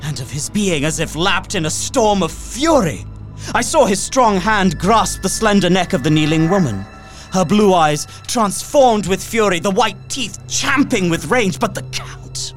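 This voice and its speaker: A man's voice: high voice, expressive, unhurried, soft background music. An actor playing a horrified young solicitor, narrating his journal in an earnest, formal way for a radio play. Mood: horrified, intense. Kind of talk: dramatic first-person narration, radio play.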